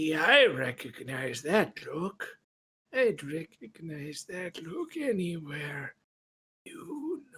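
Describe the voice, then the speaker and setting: The speaker uses a put-on character voice at a middle pitch. Delivery is very slow. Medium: actual play. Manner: doddering, querulous.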